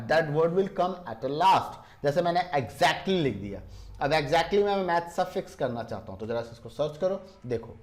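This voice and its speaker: A man teaching a computer tutorial. He explains each step, slows down to spell out definitions and asks viewers whether they are following. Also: fairly high pitch. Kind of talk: screen-recorded software lesson.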